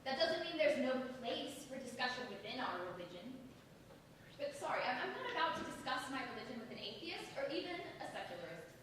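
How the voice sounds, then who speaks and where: An actress playing a proud, defiant young religious woman in a staged reading, speaking in forceful, challenging declarations. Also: high-pitched, big pitch swings, fairly quick. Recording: distant, very echoey stage recording, faint noise.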